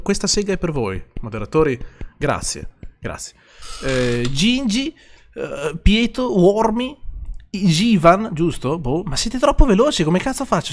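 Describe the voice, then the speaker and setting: A man's voice: high voice, slight background noise. A young man streaming a horror game live, chatting casually with his viewers, swearing often and rattling off their names. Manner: lively, swears casually, reads chat names quickly.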